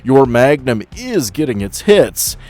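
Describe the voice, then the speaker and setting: A man's voice: mid-range voice, big pitch swings, unhurried, darkish tone. A man working as game master, narrating the action and addressing players directly in a conversational way. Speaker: game master of a tabletop role-playing podcast.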